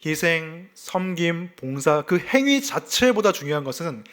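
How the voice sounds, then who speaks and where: Pastor guy from south gyeongsang, faint gyeongsang accent, chatty sermon, kinda high voice, swings up and down a lot. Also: a little slow. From South Gyeongsang, South Korea. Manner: lively, conversational preaching with self-deprecating laughs.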